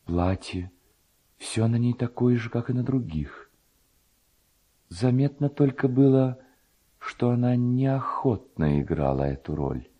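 A man narrating a literary tale in an expressive, poetic, dramatic storytelling style. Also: mid-range voice.

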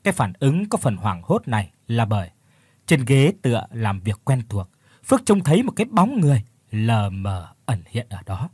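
A man narrating a horror story as a scripted audiobook, in an expressive storytelling manner. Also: mid-range voice, moderate pace, husky, no room sound.

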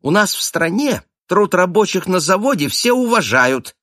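A man's voice: high-pitched, big pitch swings, moderate pace, fairly bright tone, no echo, pitched above the performer's own voice, heavily acted. A snide, preachy twelve-year-old girl, as a man reading a novel puts her on in a raised, nasal-sounding voice. She lectures in a priggish, unpleasant tone, dry and close. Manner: nasty, preachy.

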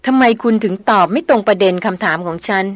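A woman reading an audiobook novel, voicing a young aristocratic woman who speaks softly and coaxingly. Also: mid-range voice, fast talker, no room sound, lightly acted. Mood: pleading. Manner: soft, coaxing.

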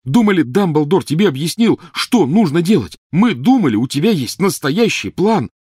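A man's voice: a little high, very animated, normal speed, dry recording, studio quality, voice pushed up. Ron, a man voicing a furious teenage boy. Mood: angry. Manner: shouting, resentful, sarcastic. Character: angry bitter teenage boy wizard.

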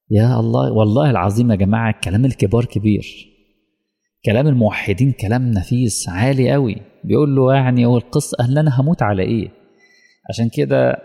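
A man preaching a sermon with an Egyptian Arabic accent, emotional and emphatic, slowing down and dropping to hushed tones. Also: on the low side, gravelly. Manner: emotional, slow emphatic preaching that drops to near-whispers. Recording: long hall reverb.

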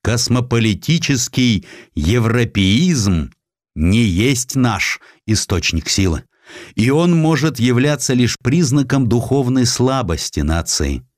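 A man voicing a proud, defiant Russian general in an audiobook, orating with patriotic fervour and deliberate, weighty phrasing. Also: medium pitch, very animated, dry recording, studio quality. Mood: solemn, fervent.

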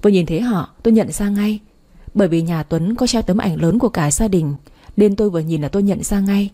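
A woman narrating a first-person story in an even, storytelling manner. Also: mid-range voice, fairly quick.

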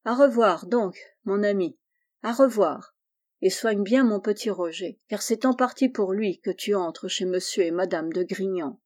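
A woman reading the part of a kind, generous gentleman benefactor saying warm farewells in an audiobook. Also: sits high, unhurried. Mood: affectionate.

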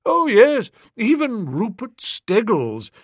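A man's voice: sits high, wildly swooping pitch, slow, dry recording, clean studio sound, pitched above the performer's own voice, heavily acted. A man doing a gushing, pompous old vicar. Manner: pompous, effusive. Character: beaming pompous elderly vicar, jovial and gushing.

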